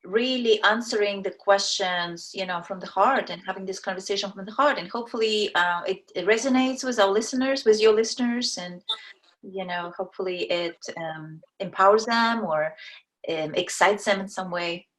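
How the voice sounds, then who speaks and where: A woman's voice: mid-range voice, normal speed, rough recording. A woman in her forties from Kazakhstan, whose first language is Russian, talking as a podcast guest in a hesitant way with many ums and restarts. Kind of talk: casual interview talk.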